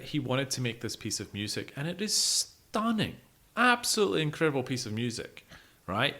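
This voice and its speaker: A man's voice: mid-range voice, bright, forceful tone. A man co-hosting a music podcast, talking casually and emphatically with plenty of swearing and repeating himself for stress. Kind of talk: casual opinionated music discussion.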